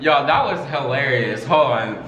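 A man's voice: medium pitch, lively intonation, a little slow, bright, forceful tone, muffled recording. A young man chatting casually and playfully in a giggly, slangy way. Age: young adult. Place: indoor room, plain wall, on camera. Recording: echoey room with background noise.

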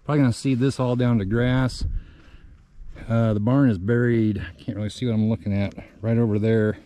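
A man's voice: medium pitch, steady tone, fairly quick, warm tone, no room sound. A middle-aged man, giving a rambling, plain-spoken update while walking around his farmyard with an action camera. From central Iowa. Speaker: vlogger, farm shop owner. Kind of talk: casual walk-around update. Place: outdoors on a farmyard in winter, also inside a shop.

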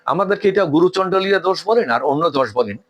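A man's voice: high-pitched, lively intonation, fast, muffled recording. Earnest man lecturing on manners. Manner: earnest, lecturing, rhetorical questions, frequent hesitations. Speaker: speaker giving a talk on etiquette. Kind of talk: didactic talk.

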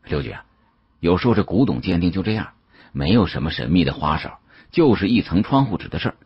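A man voicing a savvy, guarded young male antique dealer in an audiobook, with a husky voice. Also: low voice, very animated, fast talker, no echo, lo-fi sound, exaggerated voice. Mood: confident.

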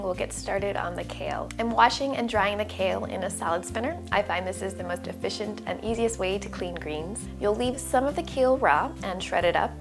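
A woman in her thirties, a cooking channel host, narrating a recipe voice-over with clear step-by-step instructions. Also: fairly high pitch.

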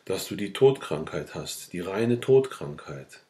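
A man's voice: sits low, expressive, a little slow, mellow, echoey room. A man reading the lines of a blunt, earthy old village woman who speaks in a scolding, matter-of-fact way.

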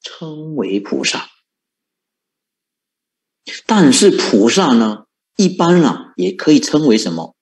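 A man's voice: mid-range voice, very animated, takes it slowly, long pauses, darkish tone. A man giving a Buddhist sermon, coaxing his listeners with repeated rhetorical questions and frequent chuckles. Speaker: Buddhist monk teaching.

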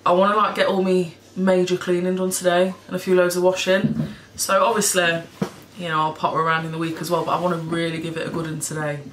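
A woman, a bit hoarse, chatting casually and rambling to camera in her kitchen, swearing and laughing now and then. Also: lowish voice, little pitch movement, fast talker, few pauses. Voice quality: a bit hoarse, froggy throat. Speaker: cleaning vlogger. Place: home kitchen, indoors. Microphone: camera in front of her at table height. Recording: echoey kitchen with background noise.

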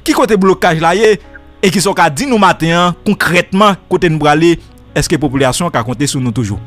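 A man's voice: a little high, animated, a little fast, fairly bright tone, soft background music. A man hosting a radio interview, setting up long questions with rising emphasis. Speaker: radio host.

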